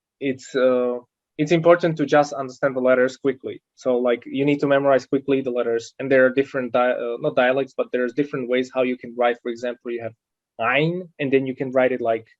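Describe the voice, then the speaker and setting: A man with a Slovak accent speaks at a fairly quick pace in a monotone, flat intonation. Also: medium pitch for a man. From Slovakia. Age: 30s. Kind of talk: interview.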